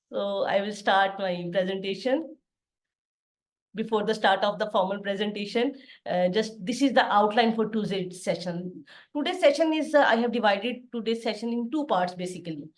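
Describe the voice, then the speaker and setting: Middle-aged woman from pakistan teaching on a video call, bit high voice, lots of uh pauses. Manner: careful, plain explaining with frequent "uh" pauses. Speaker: assistant professor giving a webinar lecture. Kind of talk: online lecture. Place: home study with bookshelves behind.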